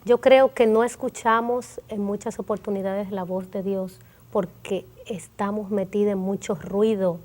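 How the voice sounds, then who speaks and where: A woman's voice: medium pitch, fairly even intonation, measured pace, a little mellow. A woman telling an emotional story of prayer and a vision as a guest on a Christian talk show, quoting her own prayers.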